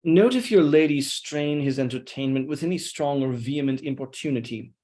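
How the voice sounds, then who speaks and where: Man reading a measured, insinuating schemer. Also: medium pitch, warm tone, natural voice. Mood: insinuating, deferential. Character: scheming deferential soldier feeding his lord's suspicion. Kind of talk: Shakespeare read-along.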